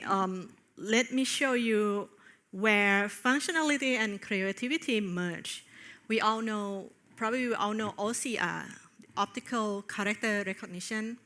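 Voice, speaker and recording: Bright-voiced woman giving a tech talk. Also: medium pitch. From Thailand. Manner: earnest, with frequent filler pauses. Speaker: conference speaker. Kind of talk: tech conference presentation. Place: on stage at a tech conference.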